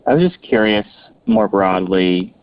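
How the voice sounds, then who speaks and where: A man's voice: lowish voice, animated, measured pace. A man speaking as a financial analyst on an earnings call, asking questions in a polite, roundabout, hedging way. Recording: dull lo-fi phone connection.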